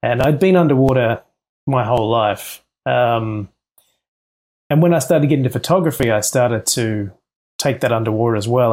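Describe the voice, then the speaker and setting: With an Australian accent, a man talks at a fairly quick pace and medium pitch in a very clean recording with a silent background. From Central Coast, north of Sydney, Australia. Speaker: underwater photographer. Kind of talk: casual interview.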